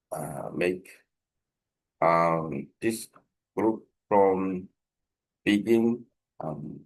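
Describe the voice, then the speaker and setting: Man, Korean accent, low-pitched, very slow, halting non-fluent English, informal explanatory monologue. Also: rough recording. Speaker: language learner explaining a speaking practice project.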